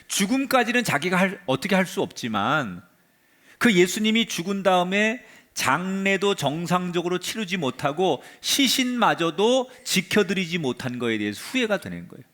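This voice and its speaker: Korean pastor preaching a dramatic sermon. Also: male voice, high-pitched. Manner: dramatic storytelling, drops to a hush at phrase ends. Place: church sanctuary.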